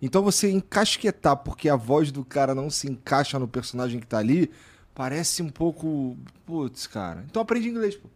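A man's voice: fairly high pitch, sing-song, fairly quick. A man, a podcast guest talking in blunt, slangy casual chat.

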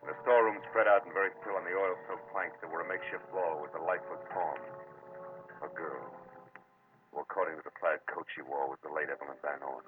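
A man's voice: sits low, fast, natural voice. An American man playing a terse, wry, hard-boiled private detective in 1940s radio crime drama. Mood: tense, narrating. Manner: terse, wry, tough-talking. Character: hard-boiled male private detective narrating his own case. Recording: muffled, noisy old radio recording.

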